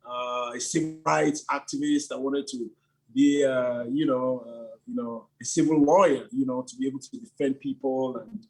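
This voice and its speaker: A man's voice: medium pitch, steady tone, normal speed, rough recording. A middle-aged man, a church leader, telling his story with enthusiasm, sprinkling in "you know" and frequent laughs. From Nigeria. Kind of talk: animated interview answers.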